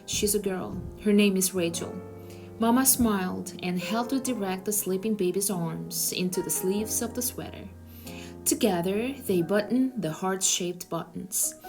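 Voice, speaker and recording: A woman's voice: mid-range voice, a little mellow. A woman narrator reading a children's novel aloud in a storytelling style.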